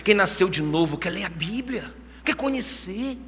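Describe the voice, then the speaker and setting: A Brazilian man in his thirties preaching a sermon as pastor, telling stories with swings from quiet talk to shouting. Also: sits high, moderate pace. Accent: Brazilian Portuguese. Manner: animated storytelling, swings from soft to shouting. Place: church hall. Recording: long church hall reverb.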